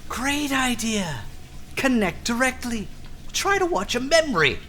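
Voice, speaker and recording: An actress playing an anxious, loyal, exasperated colleague in an audio drama, emotional and protesting. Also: female voice, fairly high pitch, big pitch swings, measured pace, fairly bright tone, slight background noise. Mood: sarcastic, scolding. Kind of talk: audio fiction acting.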